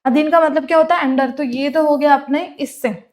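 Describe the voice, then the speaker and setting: A woman's voice: sits high, fairly even intonation, moderate pace. A woman teaches an exam-prep class. She repeats each term, then asks and answers her own questions. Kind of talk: classroom lecture.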